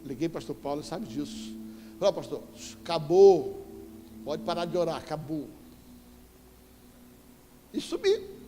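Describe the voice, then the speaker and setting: A man with a Brazilian Portuguese accent preaching a sermon as an apostle, telling a story with animated emphasis and sudden loud exclamations. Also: on the high side, quick pace, slight background noise. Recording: echoey church hall with faint music.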